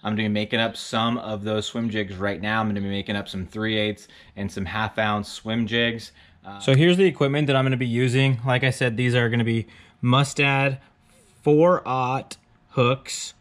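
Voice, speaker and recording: A man's voice: medium pitch, fairly even intonation, moderate pace. A man hosting a fishing show, talking casually through a how-to with chatty fillers and repeats. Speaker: fishing podcast host.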